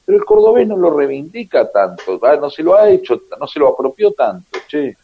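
A man's voice: a little high, very animated, brisk, husky, muffled recording. A man with an Argentine accent hosting a radio show in a wry, joking way. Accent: Argentine Spanish. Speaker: radio host. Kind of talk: casual radio chat.

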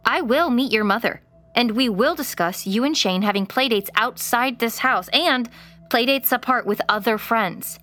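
A woman's voice: fairly high pitch, moderate pace, sharp tone. An actress in her thirties playing a worried mother in an audio drama, firm but kind. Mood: firm, caring. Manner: firm, caring.

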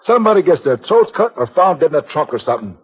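An actor playing a big, dim-witted male strongman who talks slowly and ungrammatically, in 1940s radio acting. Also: on the high side, sing-song, breathy edge. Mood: grumbling. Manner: slow ungrammatical speech. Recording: dull old radio recording with reverb.

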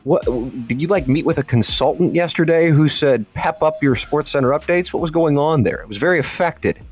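A man's voice: fairly high pitch, brisk, faint music behind. A man hosting a casual sports radio show, teasing his partner dryly and reading out listener texts. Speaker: sports talk radio host. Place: radio studio. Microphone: close studio microphone.

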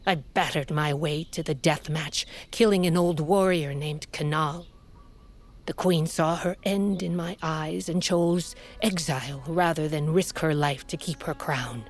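An actress playing a fierce, aging tribal queen and mother in an audio drama, speaking in a grave, measured way and sometimes coughing from sickness. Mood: grim recounting. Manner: grave, measured, low storytelling delivery. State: sickly, coughing.

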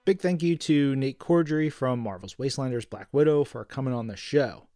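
A man's voice: medium pitch, moderate pace, mellow, no room sound, studio quality, faint music behind. A man hosting a podcast, reading scripted segments as a presenter. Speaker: podcast host.

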